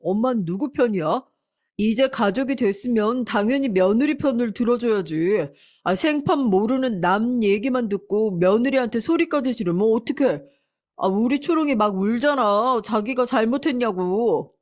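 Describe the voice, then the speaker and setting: A woman's voice: on the high side, expressive, moderate pace, a little mellow, pitched above the performer's own voice, natural voice. A woman doing an angry huffy young husband. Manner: huffy, complaining. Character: angry young husband defending his wife.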